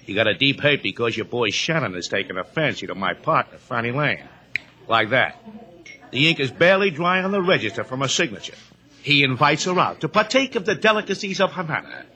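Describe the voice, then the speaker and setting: A man's voice: medium pitch, sing-song, a little fast, sharp tone. A man playing a brash, needling comedian and schemer in a 1950s radio drama, wisecracking and pushy, repeating himself. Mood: sarcastic, jealous.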